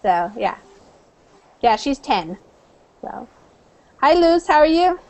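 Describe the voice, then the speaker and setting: A woman's voice: high-pitched, very animated, slow, creaky, rough recording. A woman from the United States teaching an online English class over a video call, friendly and chatty with many fillers.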